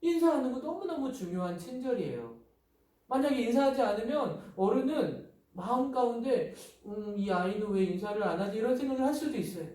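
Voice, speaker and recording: Lively man giving a children's sermon. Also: on the high side. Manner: animated storytelling, acting out children's voices. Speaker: pastor. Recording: echoey room, voice from a distance.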